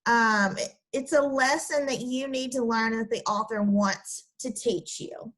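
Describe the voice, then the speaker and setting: A woman's voice: fairly high pitch, a little slow, fairly bright tone. A woman teacher explaining a lesson step by step to children, then reading a picture book aloud.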